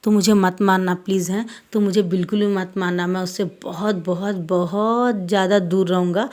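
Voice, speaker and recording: A woman's voice: mid-range voice, fairly even intonation, moderate pace, a little mellow, natural voice. A woman voicing a cheeky young man in a told story, talking back with sarcasm and mock fear.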